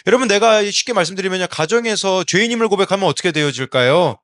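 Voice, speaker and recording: A man's voice: high-pitched, fast talker, fairly bright tone. A middle-aged man preaching an early-morning devotional sermon as a pastor, asking his congregation questions and reading scripture aloud. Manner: reads scripture verses aloud within the talk.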